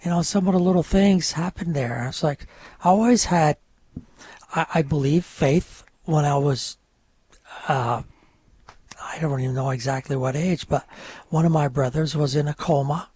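A man in his fifties from northern New York, whose first language is French, telling his story as a radio guest in a rambling, halting way. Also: fairly high pitch, darkish tone, slight background noise. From northern New York, French-speaking home. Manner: rambling, halting with many fillers. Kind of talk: casual radio interview storytelling.

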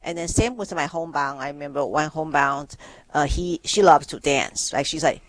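A middle-aged man from Taiwan speaks as a radio guest in a fairly high voice. He answers earnestly, halting and restarting his sentences as he goes. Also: a bit bright, no room sound. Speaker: guest, grief ministry worker.

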